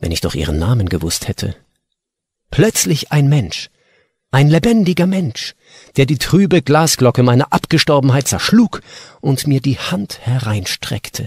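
At a fairly slow pace, a man with a medium pitch and a weary tone makes very wide pitch swings, sounding somewhat breathy, with long, frequent pauses and a dry, close sound with no echo. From Germany. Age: 60s. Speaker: voice-over artist. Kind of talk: dramatic literary narration, reading a first-person story aloud. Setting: studio. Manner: slow, measured, brooding storyteller delivery with weary, wistful color; intimate and expressive, swelling with warmth and longing at the closing lines.

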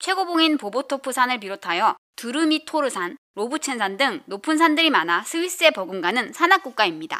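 A woman's raised, projected voice, high-pitched with a bright, sharp tone and very wide pitch swings, at a fairly quick pace with hardly any pauses. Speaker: narrator. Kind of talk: scripted narration. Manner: formal.

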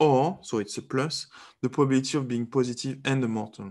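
A man talks with fairly even intonation in a strong French accent. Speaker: statistics lecturer. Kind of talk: university lecture. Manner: hesitant, many fillers.

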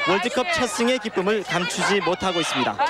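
Amid loud background noise, a man with an extremely high pitch talks at a fairly quick pace, the sound dry with no echo. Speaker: field news reporter. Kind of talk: live TV news report. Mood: excited celebratory.

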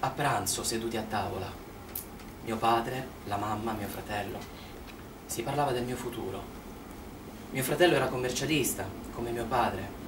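Over noticeable background noise, a man talks at a moderate pace with fairly even intonation and long, frequent pauses. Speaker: stage actor. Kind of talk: theatrical monologue narration. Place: stage. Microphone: camera far.

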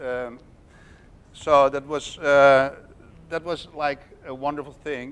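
Speaking with a Dutch accent, the man goes at a very slow pace with long, frequent pauses. His intonation is monotone and flat, while his loudness swings widely. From Netherlands, Amsterdam. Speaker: natural history artist; speaker. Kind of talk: seminar talk. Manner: halting. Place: hall.

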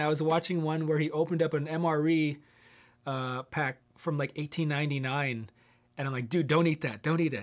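Against a quiet background, a man speaks with an American accent. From Detroit area, Michigan; Michigan. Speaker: guitarist and YouTuber; YouTuber. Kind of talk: casual live-stream Q&A. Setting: live stream at home studio. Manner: relaxed, conversational with many fillers. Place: studio.

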